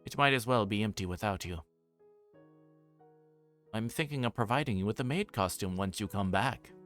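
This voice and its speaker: Low-voiced man reading aloud over music. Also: moderate pace, fairly bright tone. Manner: voices characters' dialogue while reading. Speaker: livestreamer reading a visual novel aloud. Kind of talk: live read-aloud narration with asides.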